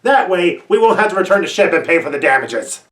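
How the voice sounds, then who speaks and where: Brief: performer doing a ranting villain boss, lively pitch, echoey room, mic set back. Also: fairly quick, distant mic. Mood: angry. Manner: shouting, cursing orders. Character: hostile crew boss, angry and scheming. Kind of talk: amateur fan-film voice acting.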